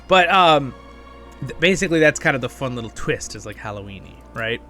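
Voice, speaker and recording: A man's voice: medium pitch, animated, brisk, bright, forceful tone. A man hosting a gaming channel, giving a casual, rambling gameplay guide and chatting to viewers as friends. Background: game background music.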